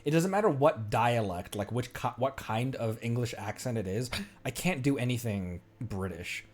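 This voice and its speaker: A man's voice: medium pitch, animated, moderate pace. A male streamer chatting casually on a live stream, tired, self-deprecating and laughing often.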